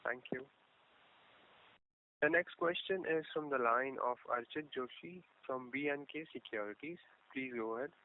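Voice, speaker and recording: A man's voice: mid-range voice, moderate pace. A man moderating a conference call as its operator, polite and procedural in formal scripted phrases. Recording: muffled telephone conference line.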